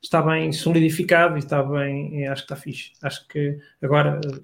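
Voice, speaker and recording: A man's voice: on the high side, little pitch movement, a little fast, creaky. A middle-aged man with a European Portuguese accent, chatting casually in laid-back slangy talk. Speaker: comedian and radio host, guest. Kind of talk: casual podcast chat.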